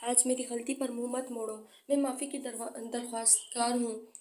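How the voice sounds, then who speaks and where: A woman's voice: a little high, level tone, normal speed, very noisy, natural voice. A woman voicing a playful, impulsive young woman who pleads through tears for her friend's forgiveness. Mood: tearful pleading.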